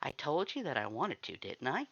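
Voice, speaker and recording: A man's voice: medium pitch, huge pitch swings, normal speed, creaky, a bit bright, dull audio, voice pushed up, full character voice. A man voicing a plucky, friendly human visitor in a story reading, earnest and insistent.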